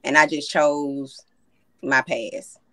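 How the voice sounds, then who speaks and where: A woman's voice: sits low, takes it slowly. A woman on a talk panel, speaking candidly and bluntly about her own life in casual chat. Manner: animated, candid, blunt storytelling.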